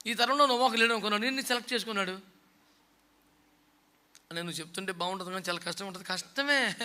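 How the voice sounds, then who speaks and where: A man's voice: high voice, sharp tone. A male pastor preaching a sermon, scolding and mocking his listeners with rhetorical questions and mimicking the people he quotes.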